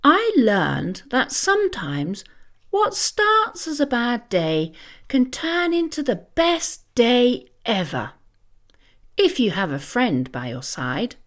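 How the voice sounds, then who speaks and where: A hot-tempered little she-cat from a storybook, acted out by a woman. Her high voice swoops around dramatically, and she draws her words out slowly. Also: sing-song, fairly bright tone, heavily acted. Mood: content. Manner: exclamatory, dramatic. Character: fiery, hot-tempered female pet cat. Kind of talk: children's storybook character voice.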